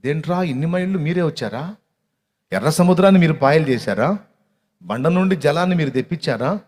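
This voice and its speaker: A man's voice: a little high, long reverb tail, lightly acted. A man preaching a sermon voices God as a grieved, mighty male deity who reproaches his people with a stream of rhetorical questions. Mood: reproachful.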